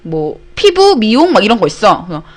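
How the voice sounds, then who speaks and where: A young woman streamer telling a story to her viewers in a casual, animated way, swearing freely and breaking into loud bursts. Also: medium pitch, fairly quick. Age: young adult. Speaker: internet broadcaster.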